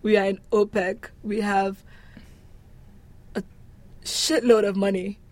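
A woman from Nigeria speaks candidly and informally as an interview guest, animated and given to emphatic repetition. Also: mid-range voice, slow, dry recording. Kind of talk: casual conversational interview.

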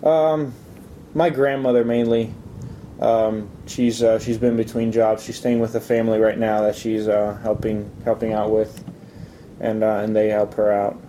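A man from Italy answering casual interview questions in a hesitant, measured way. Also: flat delivery, warm tone. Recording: low rumbling background noise.

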